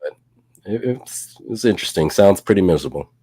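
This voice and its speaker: Brief: male co-host, relaxed and jokey, very deep voice, dry sound. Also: a little fast, slightly rough, no room sound. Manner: relaxed, many fillers, jokey. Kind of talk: casual live-stream discussion.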